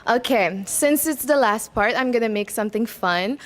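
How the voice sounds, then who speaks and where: Bubbly twenty-something woman from macau, pageant interview answers, fairly high voice, tagalog words slipped in. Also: animated, normal speed. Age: 20s. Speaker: pageant candidate.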